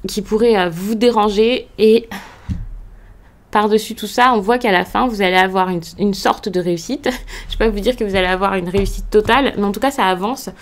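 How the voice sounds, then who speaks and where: A woman's voice: medium pitch, a little fast. A woman from France giving a casual tarot reading to camera, hesitant with frequent fillers and restarts, in a reassuring tone. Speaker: tarot card reader.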